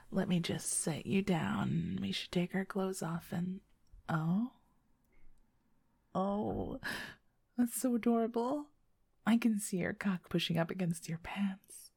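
Woman, young, intimate roleplay voice: slow, dark, coaxing whisper, very close and dry. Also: lowish voice, gravelly, husky, no echo. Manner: soft, coaxing, often whispering.

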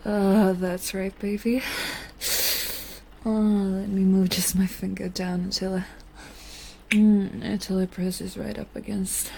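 Slow, gravelly-voiced woman whispering softly. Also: medium pitch, a little hiss or hum, low-quality recording. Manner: soft, seductive, teasing whisper. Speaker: audio roleplay performer. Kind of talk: intimate whispered audio roleplay.

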